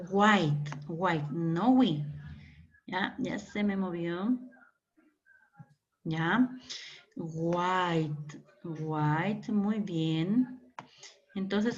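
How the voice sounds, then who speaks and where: A woman teacher takes her class through a lesson at an unhurried pace. She repeats each word, quizzes her pupils and praises their answers, in a mid-pitched voice. The recording sounds dull and lo-fi. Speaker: English teacher.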